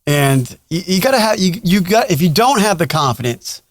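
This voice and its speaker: A man with a fairly high voice hosts a casual podcast conversation. He talks informally and encouragingly, in an animated ramble. The sound is dry, with hardly any room in it. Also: moderate pace, dry recording. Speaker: podcast host. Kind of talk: casual chat.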